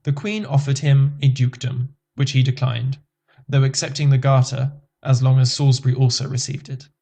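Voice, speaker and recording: Man reading an encyclopedia article, warm tone. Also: medium pitch, level tone, normal speed. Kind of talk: scripted narration.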